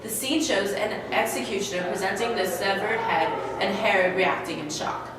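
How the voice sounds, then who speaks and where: In a scripted mock interview, a woman acts as interviewer, reading narration and posing eager questions in a mid-range voice at normal pace. The recording is noisy and distant, captured in an echoey hall.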